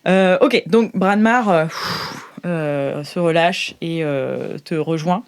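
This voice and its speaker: A woman's voice: on the low side, slow pace, smooth. A woman game-mastering an improvised tabletop role-playing session, narrating informally and often rephrasing as she goes.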